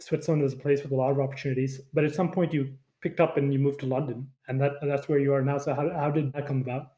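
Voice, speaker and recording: A man's voice: mid-range voice, little pitch movement, quick pace, warm tone. A man hosting a podcast, reading a scripted introduction and then asking friendly interview questions. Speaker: podcast host.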